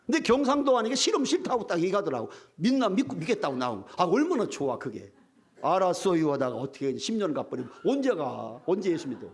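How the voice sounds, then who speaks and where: An older male preacher delivers a revival sermon in a church, his high voice swooping up and down with lively energy. He talks straight to the congregation, spinning funny stories. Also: fast, hardly any pauses. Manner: humorous storytelling, addresses the congregation directly. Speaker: retired pastor, guest revival preacher. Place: church sanctuary.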